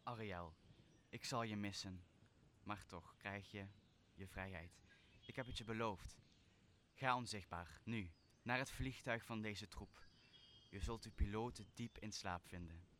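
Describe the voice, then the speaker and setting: A student actor playing a solemn, wronged sorcerer who turns to forgiveness in a Shakespearean radio play, with deliberate, declamatory delivery. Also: male voice, on the low side, sharp tone, slight background noise. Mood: gentle, commanding.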